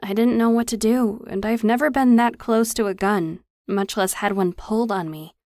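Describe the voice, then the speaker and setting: A worried young woman in a storybook, as a female reader voices her, hesitant and a touch higher than the narration around her. The recording is close and dry. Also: fairly even intonation, normal speed, darkish tone, no room sound, natural voice.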